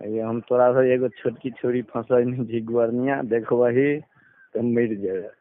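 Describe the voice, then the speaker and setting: A man's voice: medium pitch, steady tone, unhurried. Maithili man on a tinny phone. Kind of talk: casual phone chat. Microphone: phone call. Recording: tinny narrowband phone line.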